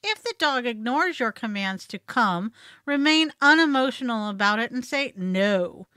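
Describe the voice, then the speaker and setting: A woman's voice: high voice, animated, normal speed, sharp tone, clean tone, no room sound. A woman hosting a podcast, reading scripted tips in an instructive way on a close studio mic. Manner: instructive, demonstrates commands with voice. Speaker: podcast host. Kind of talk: scripted narration.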